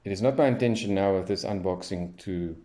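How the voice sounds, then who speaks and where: A man's voice: sits low, fairly quick, warm tone. A man giving casual, unscripted unboxing commentary, thinking aloud as he reads things off as a hobbyist reviewer. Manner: unscripted, thinking aloud while reading off labels.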